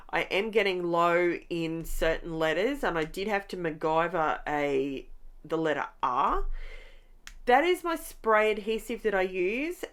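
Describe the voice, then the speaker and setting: A woman's voice: fairly low pitch, fairly bright tone. A middle-aged Australian woman with a congested nose, chatting enthusiastically through a scrapbooking tutorial as she works. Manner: chatty, enthusiastic, talks while crafting. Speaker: scrapbooking channel host. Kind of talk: casual craft tutorial chat.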